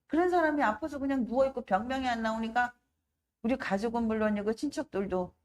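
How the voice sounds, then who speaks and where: A middle-aged woman evangelist giving a spoken testimony, telling her story in a lively, animated way and acting out the voices of people in it. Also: on the high side, fast. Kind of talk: testimony sermon.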